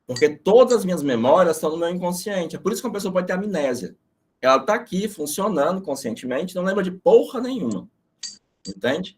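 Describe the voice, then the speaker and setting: Animated man teaching a class. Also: high voice, fairly quick. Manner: animated storytelling, casual and profane. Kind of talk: informal online class.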